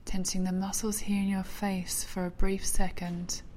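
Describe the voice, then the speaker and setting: Female sleep meditation narrator, soft half-whisper, soothing, level pitch, unhurried delivery. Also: level tone.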